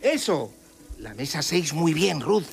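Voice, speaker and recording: An actor playing a slick, sensationalist reality TV presenter, narrating dramatically with a Castilian Spanish accent. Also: male voice, fairly high pitch, very animated, slow, creaky, exaggerated voice. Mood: goading. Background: music.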